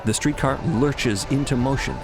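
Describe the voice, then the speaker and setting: A man's voice: medium pitch, moderate pace, vocal fry. A man narrating a scripted audio drama in descriptive present-tense prose. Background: loud music.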